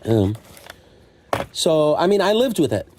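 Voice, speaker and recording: A man's voice: fairly high pitch, big pitch swings, a little slow, darkish tone. A middle-aged man chatting casually and rambling along in a conversational, self-deprecating way, like a shop owner talking to viewers. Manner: conversational, self-deprecating, acts out imagined remarks. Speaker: secondhand store owner showing stock. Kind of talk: casual, rambling chat to camera. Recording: clear background noise with clicks.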